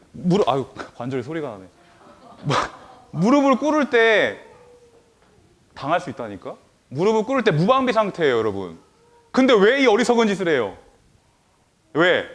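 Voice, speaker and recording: Animated pastor guy preaching to kids, voice on the high side, keeps asking questions. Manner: animated, many rhetorical questions, addresses listeners directly; trails off softly at phrase ends. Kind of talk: children's sermon.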